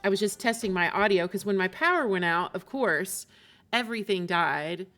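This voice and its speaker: A woman's voice: medium pitch, animated, moderate pace, a bit bright, faint music behind. A woman game streamer chatting casually and talkatively to her live audience. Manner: chatty, often laughs while talking.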